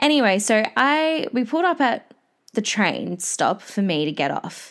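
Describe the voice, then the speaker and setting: A woman with an Australian accent, fairly high in pitch, with very wide pitch swings and a moderate pace. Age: 20s. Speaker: podcast host. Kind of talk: solo casual monologue.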